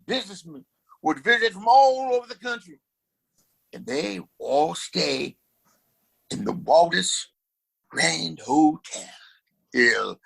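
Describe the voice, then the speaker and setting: Pompous, ambitious frontier boss, male actor, high and bright, commanding radio-play villain. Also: gravelly, heavily acted, low-quality recording. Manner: grandiose, commanding, wordy. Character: pompous, scheming, ambitious Old West town boss. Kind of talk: audio play acting.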